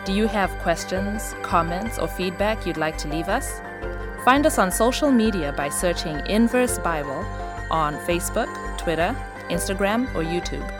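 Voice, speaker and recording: A woman voicing an upbeat, energetic promo for a show. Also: lowish voice, moderate pace. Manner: energetic, bright announcing. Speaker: promo announcer. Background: music.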